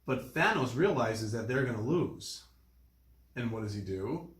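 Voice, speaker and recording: A man hosting a casual movie discussion, retelling scenes in an animated way with repeated phrases. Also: mid-range voice, a little slow. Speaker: podcast host. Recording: roomy, echoing room sound.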